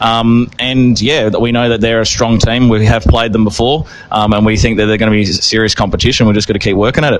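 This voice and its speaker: Talking at a very fast pace, a man uses a medium pitch with ordinary variation in an Australian accent. There is noticeable background noise behind him. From Australia, Perth. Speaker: ice hockey team captain. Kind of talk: interview. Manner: halting, many fillers.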